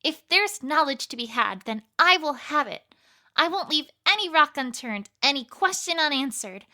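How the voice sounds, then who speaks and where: A woman plays an eager, studious young heroine of a fan-made audio drama. Her voice is high and bright. She speaks with earnest, theatrical determination, as a girl in love with learning. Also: lively intonation, moderate pace. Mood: theatrical, determined. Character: eager, bookish young female pony-turned-student, earnest and theatrical.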